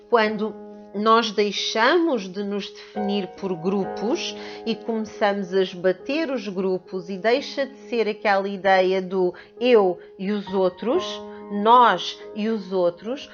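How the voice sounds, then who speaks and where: A woman from Portugal and the Netherlands, with a European Portuguese accent, hosts a spiritual video speaking to camera. Her mid-range voice is earnest and emphatic, with much repetition, and the recording sounds muffled.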